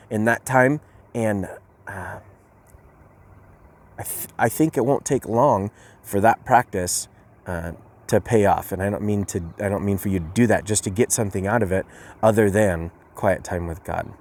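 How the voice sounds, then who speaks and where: A man's voice: fairly low pitch, normal speed, a little mellow. A man giving a casual youth message as a pastor, speaking hesitantly with many fillers and restarts. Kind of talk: informal youth sermon with a story.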